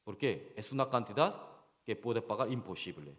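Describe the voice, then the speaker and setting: A man preaching a sermon, halting and repeating key phrases, often asking the congregation rhetorical questions. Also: lowish voice, animated, fairly bright tone, big-room sound. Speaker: pastor. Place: church.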